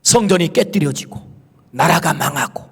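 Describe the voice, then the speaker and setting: A man with a high-pitched voice preaches emphatically in a church sanctuary. He asks the congregation questions and answers them himself, then pronounces blessings over them. His words ring out with the long reverb of the hall. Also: lively intonation, moderate pace, husky. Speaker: pastor. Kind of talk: sermon.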